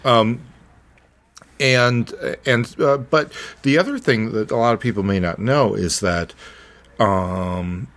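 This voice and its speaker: A man chatting as a podcast host, halting and repeating words as he searches for the next one. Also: on the low side, fairly bright tone. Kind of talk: casual podcast conversation.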